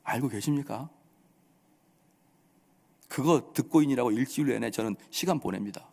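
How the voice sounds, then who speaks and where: A man's voice: medium pitch, normal speed, gravelly, warm tone. A male pastor preaching a sermon, acting out quoted voices and scolding with rhetorical questions. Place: church sanctuary. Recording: echoey church hall.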